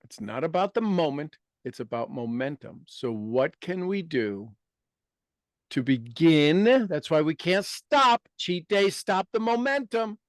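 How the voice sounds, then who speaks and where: A man in his fifties leads a motivational group session, pressing his points with emphasis and repeating key phrases. His voice sits a little high, and the sound is close and dry. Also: animated, measured pace, no room sound. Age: 50s. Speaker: host and coach.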